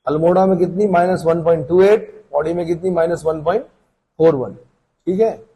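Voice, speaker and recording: A husky male teacher with a fairly high, mellow voice, lecturing an exam-prep class. He talks casually, throws questions at the students and answers them himself, and reads the figures out with a lilt. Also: moderate pace, rough recording.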